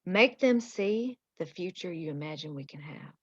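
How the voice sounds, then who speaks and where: A woman's voice: on the low side, expressive, moderate pace, dry recording. A woman playing a devoted, encouraging wife in a script table read. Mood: tender, encouraging. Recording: dull, muffled lo-fi mic.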